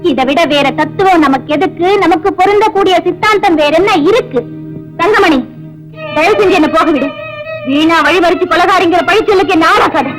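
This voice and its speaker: An actress playing a patient, virtuous wife in a 1980s film, speaking in measured, earnest tones over music. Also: female voice, very high voice, rough recording. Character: virtuous, patient young wife, calm moral adviser. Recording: film soundtrack with clear music.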